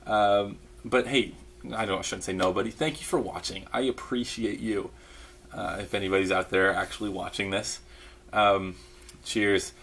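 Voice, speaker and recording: A man casually rambling to camera about his past, relaxed and chatty with lots of fillers and restarts, sipping a beer as he talks. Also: on the low side, normal speed, gravelly, a little hiss or hum. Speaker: vlogger recalling mission in Japan. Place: indoors at home, in pajamas.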